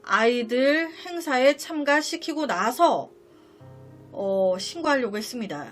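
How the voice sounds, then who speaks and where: A woman's voice: high-pitched, lively intonation, measured pace, a bit bright, faint music behind. A woman narrating a dramatic true-life story, talking straight to her viewers and sounding indignant at what she recounts.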